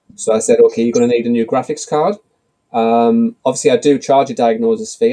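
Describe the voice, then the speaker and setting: A man with a Sunderland accent speaks in a dark, mellow tone. His pitch swings very widely. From northeast England, near Sunderland. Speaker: computer repair shop owner. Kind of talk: live show discussion.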